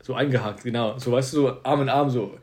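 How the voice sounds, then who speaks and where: Ein junger Mann, Co-Host eines Podcasts, der locker und mit viel Jugendslang erzählt und oft lacht. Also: male voice, medium pitch, steady tone, a little fast. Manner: slangy, laughs often, jokey storytelling. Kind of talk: casual podcast chat.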